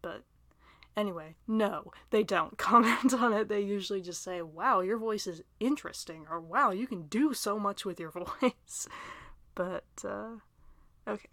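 Answering listener questions in a meandering, unhurried way, a young woman with a mid-range voice laughs frequently and pokes fun at herself, occasionally slipping into near-whispered asides. Her close, dry recording has no echo or room sound.

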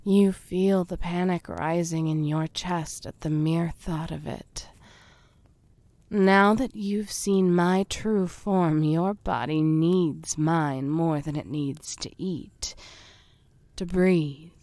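A woman voicing a domineering, possessive fae queen, speaking in breathy whispers and giving commands. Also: on the low side, steady tone, slow pace, a little mellow, dry recording. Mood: seductive, menacing. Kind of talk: audio roleplay.

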